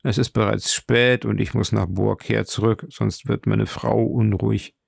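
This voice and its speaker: A calm, self-assured jeweler who speaks in a low, gravelly voice, read by a man in his own register. The delivery is steady and assured. The sound is close and dry. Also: unhurried, dry recording, heavily acted. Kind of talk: audiobook reading.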